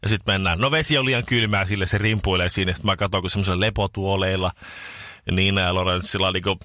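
A male radio morning show host telling a rambling, animated anecdote in casual chat, with many restarts. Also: low-pitched, dry recording, studio quality.

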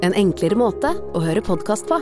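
A woman's voice: mid-range voice, animated. A woman reading a scripted promotional announcement. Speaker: podcast platform announcer. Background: music.

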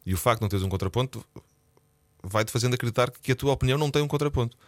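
A man's voice: mid-range voice, racing, darkish tone, slight background noise. A Portuguese man with a European Portuguese accent, a musician guest in a radio interview, talking hesitantly and thinking aloud with many restarts. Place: radio studio.

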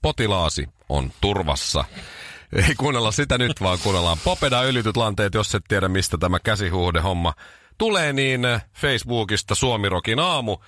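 A man's voice: on the low side, animated, pushed and bright, no room sound. A man co-hosting a radio morning show, chatting casually and adding dry, teasing comments. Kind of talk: casual chat.

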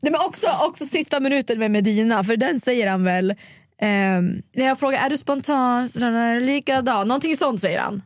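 A lively young woman talks on a podcast and keeps quoting herself with growing excitement. The recording is dry and close, with no echo. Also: a little high. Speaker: podcast co-host. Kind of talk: casual podcast chat.

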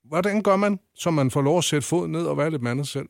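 A man's voice: a little high, creaky, no echo, clean studio sound. A man asking interview questions, hesitant, often repeating words as he starts.

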